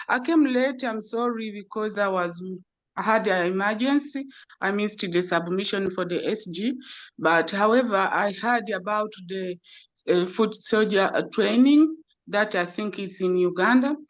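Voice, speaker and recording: A woman from Switzerland, a chapter coordinator, speaking hesitantly and repeating herself in an online meeting. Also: mid-range voice. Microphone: video call. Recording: slightly muffled call audio.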